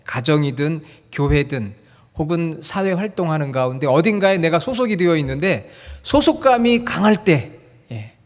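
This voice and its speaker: Korean-speaking male pastor, a touch higher voice, chatty sermon that teases and questions the congregation, long echo in the sanctuary. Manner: friendly, jokes and quizzes the congregation. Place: church sanctuary. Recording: long hall reverb.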